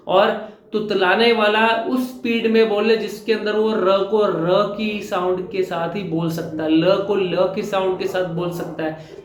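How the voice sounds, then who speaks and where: A speaking coach giving a reassuring vlog lesson to viewers, repeating phrases and mixing in English words. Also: male voice, high voice, fairly bright tone, reverberant.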